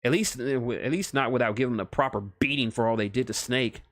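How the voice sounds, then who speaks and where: A cocky young hedgehog hero from a fan story, acted out by a man. He talks in casual slang, playful and teasing, with loyalty under the bluster, his pitch raised a little in a dry, close recording. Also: fast, no room sound, lightly acted. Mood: indignant, protective.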